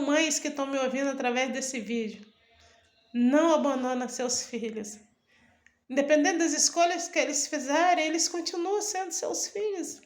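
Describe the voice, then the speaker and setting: A middle-aged woman sharing a personal testimony as a mother, speaking in a warm, preacherly way with prayer phrases. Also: high-pitched, roomy sound. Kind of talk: casual spoken testimony.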